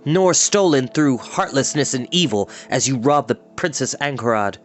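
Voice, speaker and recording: A man voicing an earnest, defiant young hero in a storybook, with an urgent, righteous, forceful delivery. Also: medium pitch, animated, moderate pace, faint music behind, close to an everyday voice. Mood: indignant. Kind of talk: storybook character voice.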